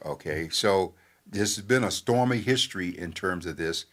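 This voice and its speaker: Older guy, lowish voice, editor chatting on air, slow and full of uhs. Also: a bit bright. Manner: measured, halting with many fillers. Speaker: newspaper editor. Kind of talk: radio talk commentary.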